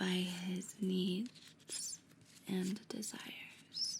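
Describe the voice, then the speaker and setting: A woman speaks in a soft-spoken voice. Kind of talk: ASMR tarot reading, soft spoken.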